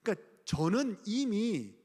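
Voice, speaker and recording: A man's voice: sits high, big pitch swings, measured pace, warm tone. A middle-aged man from Gwangju preaching a sermon as pastor, speaking conversationally, asking the congregation questions and chuckling. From Gwangju, South Korea. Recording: church hall reverb.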